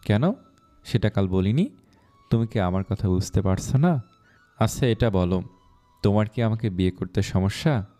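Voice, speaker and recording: A man voicing a hot-tempered, bossy young man in a spoken story, scolding and impatient, in a deep, mellow voice. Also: expressive, normal speed, long pauses, faint music behind, lightly acted.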